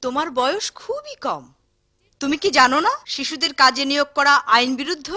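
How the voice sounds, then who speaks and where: Protective cartoon aunt, stern, very high bright voice; woman actor. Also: lively intonation, fairly quick. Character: firm caring aunt. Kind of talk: cartoon voice acting.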